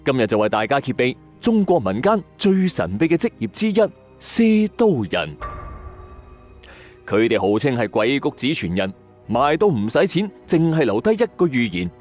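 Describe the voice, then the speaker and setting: A man's voice: medium pitch, sing-song, moderate pace, darkish tone. A man with a Hong Kong Cantonese accent narrating a scripted story in a dramatic, conversational and suspenseful storyteller's manner. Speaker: storytelling podcast host. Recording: music under the voice. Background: background music.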